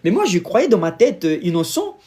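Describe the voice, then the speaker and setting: Brazilian man preaching in French, halting. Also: high-pitched, wildly swooping pitch, a little mellow, breathy edge. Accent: Brazilian Portuguese. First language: Portuguese. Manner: hesitant, many fillers, searching for words. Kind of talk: informal sermon to camera.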